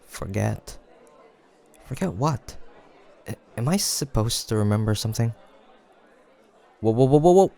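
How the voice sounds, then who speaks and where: A man acting a playful, creaky-voiced teasing guy friend. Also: medium pitch, lively intonation, unhurried, long pauses, warm tone, a faint crowd. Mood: sheepish, apologetic. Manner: playful teasing, frequent chuckles, casual banter. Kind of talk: improvised audio roleplay addressed to the listener.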